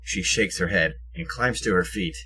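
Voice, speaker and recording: A man's voice: sits low, moderate pace, pushed and bright, a little hiss or hum, poor audio. A man reading scripted present-tense action narration for an audio drama.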